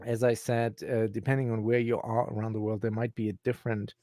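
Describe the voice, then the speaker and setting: A man's voice: fairly low pitch, level tone, brisk, dark tone, no room sound, studio quality. A man hosting a casual crypto podcast, chatty and laughing often. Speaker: host.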